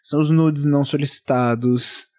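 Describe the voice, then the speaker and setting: A young adult man, a singer guesting on a podcast, talking in a relaxed, slangy way and laughing easily in a studio. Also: fairly high pitch, moderate pace. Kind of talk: casual chat.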